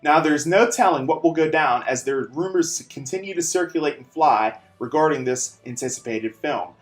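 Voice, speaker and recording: A man's voice: fairly high pitch, a little fast. Emphatic male gaming news host, music behind. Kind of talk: scripted video game news presenting.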